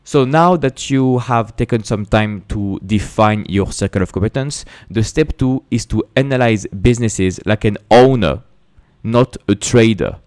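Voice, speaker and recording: A native French speaker from France who hosts an investing channel talks casually to camera, explaining things emphatically with rhetorical questions, repeated words and restarts. His French-accented voice sits on the low side, clear and resonant with a slightly mellow quality, at a measured pace.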